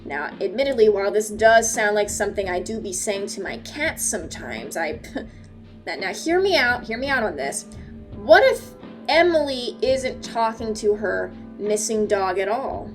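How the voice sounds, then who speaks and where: A woman's voice: mid-range voice, animated, moderate pace. A woman giving casual, joking video-essay commentary with a sarcastic, slangy delivery and mock-dramatic asides. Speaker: host of an analog horror analysis video. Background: background music.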